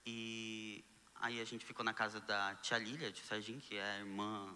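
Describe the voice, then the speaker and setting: Bright-voiced young Brazilian man telling a story. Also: lowish voice, moderate pace, in a large hall. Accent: Brazilian Portuguese. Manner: animated storyteller, acts out quoted dialogue. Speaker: guest sharing testimony. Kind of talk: casual conversation.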